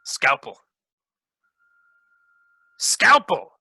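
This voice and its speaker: A man playing a pompous, short-tempered doctor in a comedic staged reading, grave and halting, then barking orders. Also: sharp tone, no echo, heavily acted. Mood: urgent. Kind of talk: comedic staged reading, medical melodrama parody.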